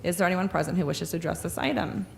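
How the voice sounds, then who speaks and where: A woman chairing a school board meeting, reading agenda items in brisk, repetitive, formal phrasing into a table microphone. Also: fairly low pitch, fairly even intonation, gravelly, slight background noise.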